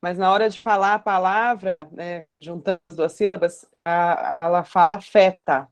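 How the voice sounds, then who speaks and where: A woman's voice: on the low side, steady tone, moderate pace, clear, resonant tone. A woman who interviews and reads out questions, a little hesitant.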